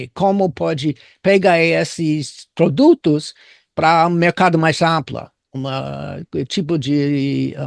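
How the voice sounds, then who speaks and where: A man's voice: a little high, creaky, no room sound, clean studio sound. An older man from the United States with an American accent, a native English speaker, telling his story in an interview and often searching for words. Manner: halting, searching for words in non-native Portuguese. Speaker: business consultant interviewed as guest.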